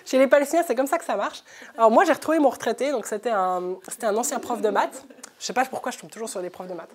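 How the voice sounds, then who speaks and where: A woman in her thirties with a Swiss French accent, giving a talk and telling anecdotes in a lively way, often laughing. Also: fairly high pitch, fast talker, background noise. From Switzerland. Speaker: journalist speaker. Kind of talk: lecture storytelling. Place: lecture hall, live audience.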